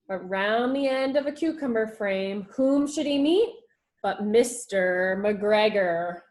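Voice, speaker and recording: A woman teacher reading a children's storybook aloud expressively, with little asides about the pictures. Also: on the high side. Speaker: schoolteacher reading to her class.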